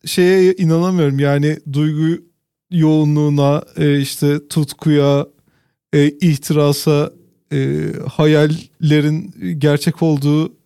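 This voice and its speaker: A man's voice: fairly high pitch, level tone, warm tone, clear, resonant tone, dry recording, studio quality. A man co-hosting a casual chat, telling long comic stories and drawing out words for effect. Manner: drawn-out comic storytelling. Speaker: podcast co-host.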